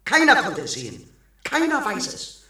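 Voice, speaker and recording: An actor playing an agitated young man reliving a dream, pleading with a husky voice in a 1970s radio drama. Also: sits high, wildly swooping pitch, moderate pace, pushed and bright, heavily acted. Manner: pleading, urgent. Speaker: protagonist.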